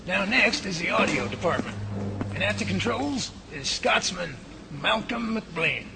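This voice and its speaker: Man acting a high-pitched, creaky professor. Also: animated, a little slow, music in the background, full character voice. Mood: hospitable. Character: composed, patient male professor leading a research team. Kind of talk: amateur radio drama acting.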